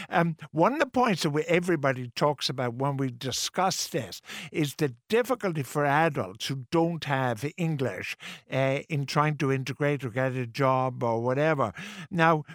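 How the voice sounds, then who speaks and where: A man's voice: mid-range voice, fairly bright tone, dry recording. A man hosts a radio talk show from the studio. His voice sits mid-range and sounds close and dry. He asks his guests friendly, direct questions. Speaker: radio host.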